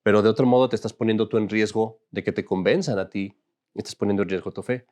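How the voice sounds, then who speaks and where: A man's voice: fairly low pitch, fairly even intonation, fast talker, dark tone. A man, a Catholic priest, teaching an informal class in a conversational, joking way and often asking his listeners questions.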